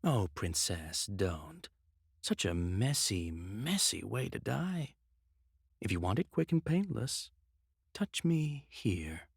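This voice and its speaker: A man playing a menacing, mocking figure who offers death, with a rough voice and a taunting drawl, in a fan-made audio drama. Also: on the low side, big pitch swings, takes it slowly, no echo, studio quality, heavily acted. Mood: mocking menace.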